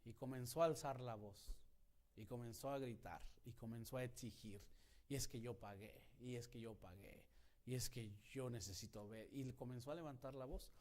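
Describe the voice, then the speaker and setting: Pastor preaching conversationally. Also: male voice, medium pitch, normal speed, a little mellow. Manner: conversational preaching, acts out quoted prayers and dialogue. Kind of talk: sermon.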